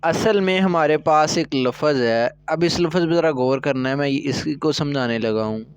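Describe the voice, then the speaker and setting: A man's voice: on the high side, normal speed, smooth, dry recording, soft background music. A man teaching a recorded Korean lesson, explaining step by step and often checking that students follow. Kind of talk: recorded language lecture.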